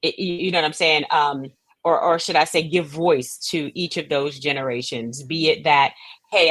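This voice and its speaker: Low-pitched American woman explaining thoughtfully. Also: a bit bright, no room sound. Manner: reflective, explanatory, often checks with "you know what I mean". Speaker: guest, playwright and stage director. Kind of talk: conversational interview answers.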